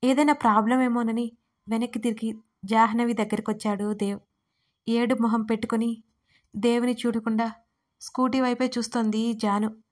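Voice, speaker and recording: A woman who writes and narrates her own audio stories, in a steady, expressive storytelling style. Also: a little high, moderate pace, pauses often.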